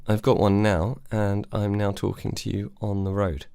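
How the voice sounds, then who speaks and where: A man's voice: level tone, normal speed, gravelly, dark tone, clean tone, no echo. A man, reviewing a microphone in a casual, dry, self-deprecating way. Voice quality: low voice. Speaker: tech reviewer. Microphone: desk microphone on a mic arm.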